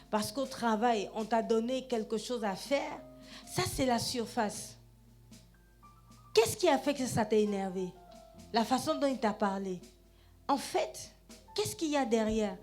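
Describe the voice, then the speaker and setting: A woman pastor with a high voice preaches in a church, addressing the congregation directly in a lively, conversational manner. She tags her phrases with "hein" and calls for "amen" as she goes. Soft music plays faintly underneath. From Gabon. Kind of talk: sermon.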